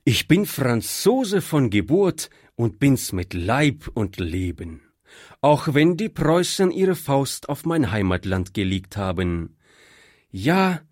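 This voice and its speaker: A man reading aloud puts on a kindly pastor from Alsace whose gentle, slow speech swells with pride and passion, his husky voice rising and falling widely. He sounds like a storybook character, close and dry. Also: mid-range voice, dry recording. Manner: gently spoken, turning firm and stirred. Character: impassioned male Alsatian pastor, kindly but proud.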